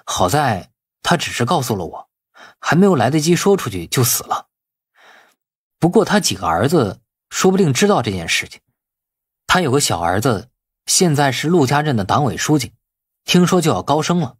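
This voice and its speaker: Man doing flustered underdog businessman, husky, lively intonation, eager, informal, audiobook story dialogue. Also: mid-range voice, moderate pace, no room sound. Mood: hushed, smug. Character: Lu Ming, male businessman, cocky yet easily flustered underdog.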